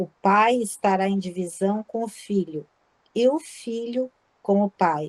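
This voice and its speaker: Soft-spoken, a woman talks at a very slow pace with ordinary pitch variation. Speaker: spiritist study group leader. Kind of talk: reading aloud.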